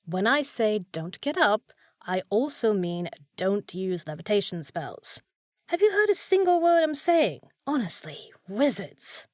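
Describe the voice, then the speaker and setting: A woman's voice: mid-range voice, very animated, measured pace, no echo, clean studio sound. A woman playing a short, fussy young village housekeeper in a fantasy audio roleplay, proper and easily flustered, scolding yet caring. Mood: exasperated. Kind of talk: scripted fantasy audio roleplay, spoken to listener.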